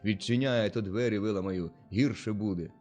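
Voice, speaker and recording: A male narrator voicing an angry, bossy older village head who shouts orders. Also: on the low side, normal speed, faint music behind, lightly acted.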